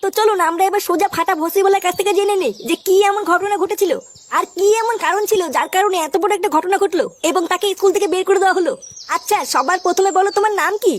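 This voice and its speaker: A woman's voice: very high-pitched, fast talker. A woman voicing an inquisitive television reporter in a parody cartoon news report, formal and announcing.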